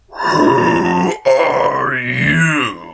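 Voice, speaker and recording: A booming, growling put-on character voice. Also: man. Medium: read story. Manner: menacing, contemptuous.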